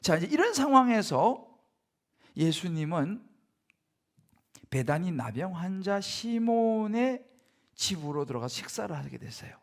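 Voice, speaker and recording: A man's voice: sits high, big pitch swings, measured pace, long pauses. A middle-aged male pastor preaching a sermon in a church, speaking conversationally and often turning to the congregation with rhetorical questions. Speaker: senior pastor. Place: church sanctuary.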